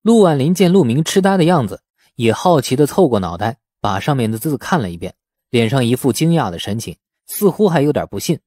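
A male audiobook narrator with a mellow, warm tone and a medium pitch. He reads fiction dramatically, with lively intonation, in a dry, close recording. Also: a little fast, dry recording. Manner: expressive storytelling. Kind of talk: dramatic scripted narration of a novel.

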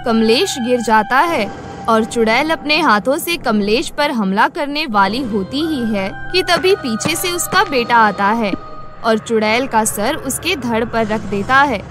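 A woman's voice: fairly high pitch, lively intonation, unhurried, over music. A woman delivering scripted narration for a horror cartoon.

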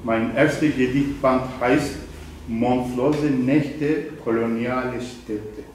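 At a literary evening in a wine bar event room, an older poet from Eastern Anatolia, a native Zazaki speaker, introduces and then reads prepared work in halting German, full of ums and self-corrections. His mid-range voice is darkish with fairly even intonation. The far camera mic picks up faint room noise and heavy reverb.

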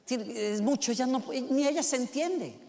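Impassioned high-voiced preacher in a big hall. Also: male voice, moderate pace, mellow, some chatter behind, a little hiss or hum. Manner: impassioned, emphatic and repetitive, acting out voices of doubters. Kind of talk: sermon. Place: large church auditorium. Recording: reverberant hall.

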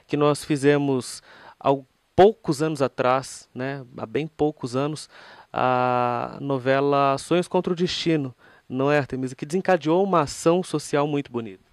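A man's voice: on the high side, no room sound, studio quality. A Brazilian man presenting and interviewing in a conversational radio style, rambling a little and asking for agreement.

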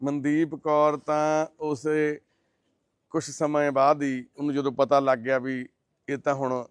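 A middle-aged man, a charity volunteer, making a heartfelt appeal and gently consoling and questioning the people he visits. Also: on the high side, completely flat delivery, measured pace, smooth, no echo. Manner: earnest, gently consoling, explanatory. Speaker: charity volunteer presenting a case. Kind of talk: heartfelt appeal and on-site interview.

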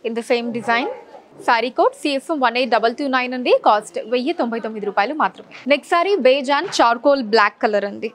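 A woman's voice: a little high, lively intonation, brisk, a little hiss or hum. A young woman presenting sarees in a showroom, politely listing colors, designs and prices. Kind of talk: product showcase. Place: large saree showroom, indoors.

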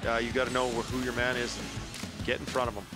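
Man in his forties, studio hockey analyst with a handheld mic. Relaxed, explains plays. Music bed clearly audible. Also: medium pitch, fast. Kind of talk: sports post-game analysis. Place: TV studio desk.

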